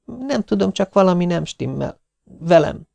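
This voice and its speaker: A shy, troubled young woman at a nightclub, stammering and hesitant, as a male narrator puts her on. She sits well above the reader's own low voice, gravelly at the edges and dry in tone. It is a storybook voice and it stays unsure throughout. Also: sing-song, mellow, no echo, heavily acted. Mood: flustered. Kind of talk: audiobook character voice.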